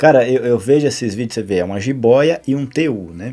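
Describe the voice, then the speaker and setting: Music can be heard in the background. The man's pitch varies in an ordinary way. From rural Brazil. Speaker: rural content creator. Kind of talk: casual commentary on a video. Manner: casual, conversational.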